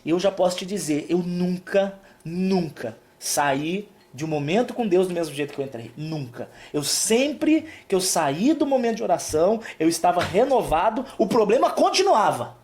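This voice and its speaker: A man preaching as a pastor on a live stream, soft and calming with hushed stretches and emphatic points. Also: sits high, moderate pace, hardly any pauses.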